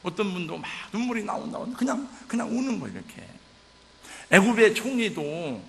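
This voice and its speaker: A man's voice: high voice, sing-song, a little fast, vocal fry. An older man, a pastor, preaching a sermon in a church with vivid, emotional storytelling. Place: church sanctuary. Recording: church hall reverb.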